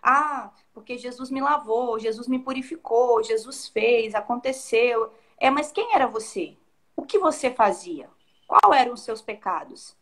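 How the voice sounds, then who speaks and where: Bright-voiced woman reflecting aloud. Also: on the high side, animated, unhurried. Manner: reflective, acts out quoted speech in varied tones. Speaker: co-host of a Bible discussion. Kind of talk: casual devotional chat.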